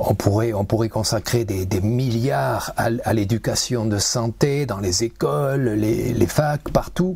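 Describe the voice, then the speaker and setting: Over noticeable background noise, a man talks at a very slow pace in a medium pitch with ordinary pitch variation. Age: 70s. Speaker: health and fasting author, video blogger. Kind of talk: monologue to camera. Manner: hesitant, many repetitions.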